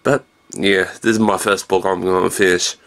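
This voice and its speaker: A man in his thirties with a creaky, gravelly voice, rambling casually in a low-key video diary, recorded indoors on a handheld camera at arm's length. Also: little pitch movement, moderate pace, fairly bright tone. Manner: low-key, meandering, jumps between everyday subjects. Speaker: vlogger. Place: small room indoors.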